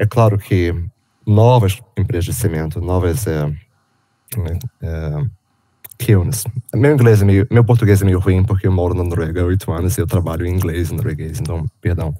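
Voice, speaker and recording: A man's very deep, low, somewhat breathy voice with a dark, mellow tone, moderate pace, ordinary pitch variation and long, frequent pauses. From Brazil, Rio de Janeiro. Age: 30s. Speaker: chemical engineer, solvent specialist. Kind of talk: technical seminar presentation. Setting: online video seminar. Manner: halting, many fillers.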